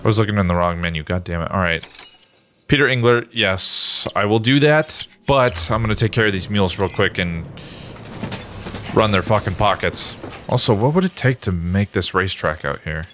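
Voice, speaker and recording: A man's voice: on the low side, animated, moderate pace, fairly bright tone, a little hiss or hum. A man giving casual, profane let's-play commentary, exasperated as he plays. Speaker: gamer playing through a video game. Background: game music.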